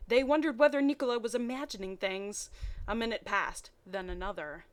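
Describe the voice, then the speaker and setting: A woman reading amateur fiction aloud in a mocking way, dropping in wry, deadpan asides. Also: fairly high pitch, fairly quick. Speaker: reader and commentator.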